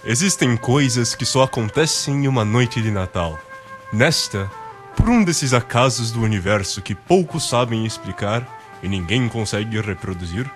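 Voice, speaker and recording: A man with a Brazilian accent narrating a scripted radio play as a storyteller. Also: medium pitch. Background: music.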